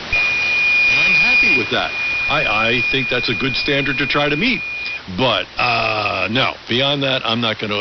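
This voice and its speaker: A man's voice: medium pitch, muffled recording. An articulate middle-aged man who talks in long, reflective, conversational transmissions as an amateur radio operator on AM. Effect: AM ham radio transmission. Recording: band-limited AM radio with loud hiss. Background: radio hiss.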